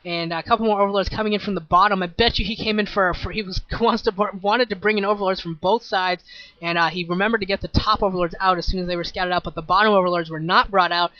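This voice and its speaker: A man casting a video game match solo, rambling and repeating words, with excited bursts and a voice starting to tire. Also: high voice, fast talker, no room sound, dull audio. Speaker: esports caster. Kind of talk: solo play-by-play commentary.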